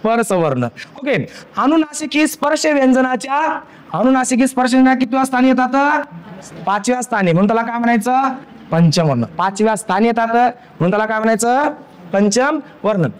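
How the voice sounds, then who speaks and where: Speaking in a strikingly high, expressive, smooth voice, a male teacher with a Marathi accent leads a grammar lesson. He drills by quizzing the class and answering his own questions, then slowly sounds out letters one by one.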